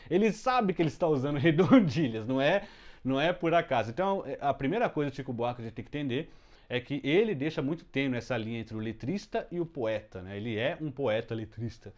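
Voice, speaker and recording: A man's voice: medium pitch, lively intonation, fast talker, darkish tone. Man teaching a casual music lesson. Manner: explains step by step, with many fillers and restarts. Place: room at home with the window closed. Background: children heard from outside.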